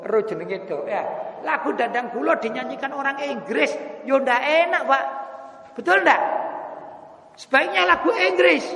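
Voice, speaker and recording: Brief: East Javanese male preacher, gravelly and lively, keeps asking the men before him to agree, heard in a reverberant hall. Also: extremely high pitch. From East Java. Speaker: Islamic preacher. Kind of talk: sermon. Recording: echoey hall with long reverb.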